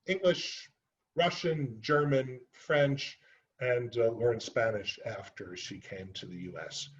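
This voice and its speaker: A man's voice: medium pitch, muffled recording. A man giving an author talk, speaking earnestly and unhurriedly about his book, with frequent ums and uhs. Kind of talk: library author presentation.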